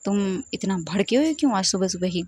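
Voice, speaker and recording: A mild elder brother who stays even-tempered and asks quiet, patient questions, as a woman narrator puts him on. The voice has a soft, husky breath to it and a dry, close sound. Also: mid-range voice, a little fast, dry recording. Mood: calm. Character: calm, gentle elder brother, a young man.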